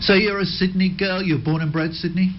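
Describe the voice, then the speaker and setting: A man hosting a radio station interview in the studio, asking gentle, rambling questions with many restarts. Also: sits high, fairly even intonation, fairly quick, highs cut off, slight background noise. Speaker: radio host.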